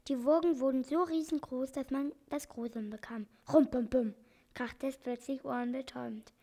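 A woman reading a children's story aloud, expressive and dramatic. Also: sits high, fairly quick. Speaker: narrator.

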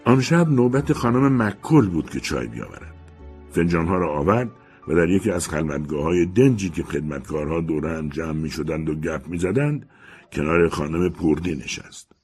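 Male audiobook narrator, very deep and animated, literary reading. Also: slightly rough, faint music behind. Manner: expressive storyteller.

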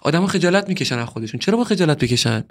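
A man's voice: on the high side, lively intonation. A man from Bushehr in southern Iran, a musician guest on a podcast, talking casually in an earnest, opinionated way that turns heated at times.

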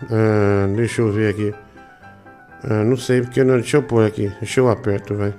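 A man from Brazil, hosting a casual live stream, slangy and teasing at an unhurried pace. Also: lowish voice, little pitch movement, mellow, faint music behind. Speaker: livestream show host.

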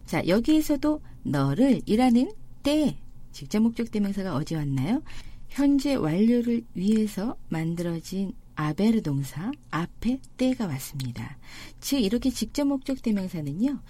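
Woman doing a spanish grammar lesson, husky, warm, bouncy pitch, slows down on examples. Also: very animated. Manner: clear explanatory, slows to spell out example sentences. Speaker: Spanish teacher. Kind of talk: language lesson narration.

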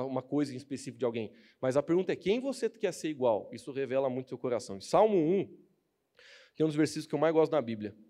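A man's voice: medium pitch, mellow. A young man with a Brazilian Portuguese accent giving a casual, joking youth sermon as a preacher, acting out the people he quotes.

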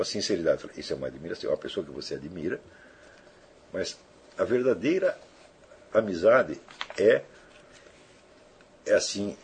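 Very husky low-voiced man. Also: a little mellow. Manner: keeps tagging sentences with checking questions. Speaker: teacher answering listener questions. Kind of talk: informal spoken lecture.

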